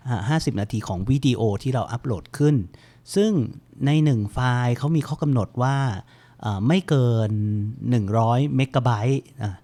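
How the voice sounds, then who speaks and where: A man hosting a computer help show, giving a relaxed, chatty step-by-step screen-reader tutorial with lots of fillers. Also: mid-range voice, moderate pace.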